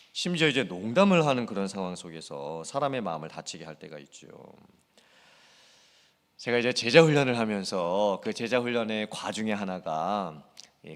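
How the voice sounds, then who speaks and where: A man preaches a sermon as senior pastor, his pitch swinging in lively arcs as he talks earnestly, then drops suddenly soft. His voice rings with the long reverb of a church sanctuary.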